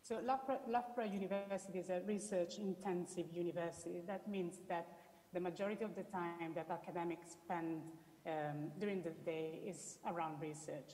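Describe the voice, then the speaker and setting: A woman's voice: fairly low pitch, warm tone. A woman with an Italian accent giving an explanatory presentation as an academic researcher, often restating her words. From Italy. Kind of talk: spoken presentation with slides. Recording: echoey hall with long reverb.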